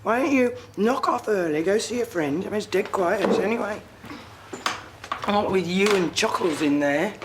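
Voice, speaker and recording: An actress in a TV drama playing a chatty, teasing receptionist. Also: female voice, mid-range voice, expressive, moderate pace, very noisy, close to an everyday voice. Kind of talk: TV drama acting.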